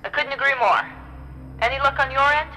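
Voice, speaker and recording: A woman's voice: high voice, fairly even intonation, brisk, pushed and bright. A woman playing a composed space crewmate reporting over a radio link in a sci-fi audio drama. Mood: composed, businesslike. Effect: radio comms filter. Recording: radio-filtered voice with long reverb.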